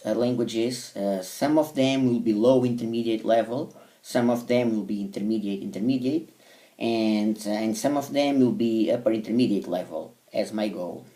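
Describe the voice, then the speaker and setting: Man, Portuguese accent, native Portuguese speaker, hesitant with many fillers, warm dark tone, a bit off-mic. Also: medium pitch, distant mic. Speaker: language learner vlogger. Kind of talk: casual monologue to camera.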